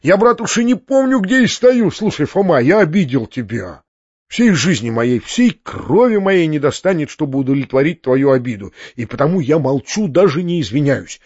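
A fervent, kind-hearted colonel, as a male reader puts him on, pitched high with exalted feeling. The recording is dull and dry. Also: slightly rough, no room sound, exaggerated voice. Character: emotional, kind-hearted middle-aged colonel.

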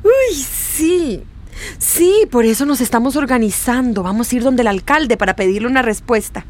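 A woman's voice: fairly high pitch, lively intonation, moderate pace, lightly acted. A woman playing a fussy, complaining village woman who sighs and exclaims constantly, in a radio drama. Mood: indignant. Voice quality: exasperated sighing, frequent "ay".

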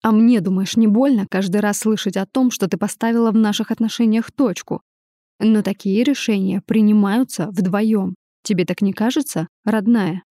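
A woman's voice: mid-range voice, fairly even intonation, moderate pace, dark tone, no room sound, studio quality, lightly acted. A woman reading the lines of a possessive, menacing young man in an audiobook. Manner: menacing, obsessive.

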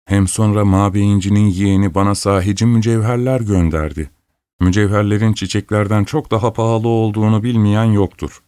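A man's voice: fairly low pitch, steady tone, a little fast, warm tone, clean tone, no room sound, studio quality, lightly acted. A man voicing a spoiled young woman in a storybook reading, speaking with scornful dismissiveness. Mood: dismissive. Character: haughty spoiled young woman, professor's daughter.

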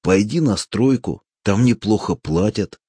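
Guy doing a calm dry ex-seminarian, low husky voice, mocking and unbothered. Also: a little slow, no room sound. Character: calm wry former male seminarian.

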